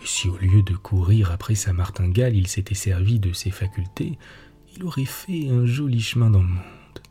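A man narrating a storybook tale in a hushed, husky voice, lifting his voice for quoted lines. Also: on the low side, normal speed. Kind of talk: storybook reading. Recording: soft music behind the voice.

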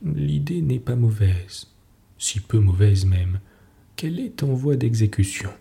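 A man reading the part of a shrewd male police commissioner who talks in a measured, knowing way. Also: medium pitch, animated, gravelly, dark tone.

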